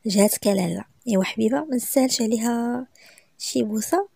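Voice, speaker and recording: A woman's voice: on the high side, a little fast, creaky, mellow, dry recording, clean studio sound. A woman voicing a teasing, affectionate young husband with a Moroccan accent.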